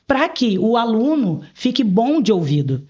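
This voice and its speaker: Lively storytelling woman, lo-fi sound. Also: fairly high pitch, a little slow. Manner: animated storyteller, acts out quoted dialogue. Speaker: bilingual program advisor. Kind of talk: casual podcast chat. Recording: dull lo-fi sound.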